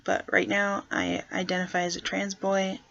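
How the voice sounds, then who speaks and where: A young trans guy vlogging casually and hesitantly, deliberately pushing his voice lower as he talks. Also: monotone, gravelly, muffled recording. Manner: hesitant, soft-spoken, consciously pitching voice lower. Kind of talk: casual first vlog.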